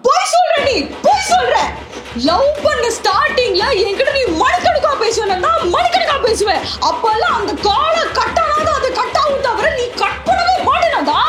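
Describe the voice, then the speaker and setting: Young woman acting, jealous girlfriend in a comedy short, insistent, very high swooping voice, echoey sound. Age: young adult. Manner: suspicious, insistent, repeats herself. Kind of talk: emotional colloquial phone dialogue. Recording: echoey room under loud music.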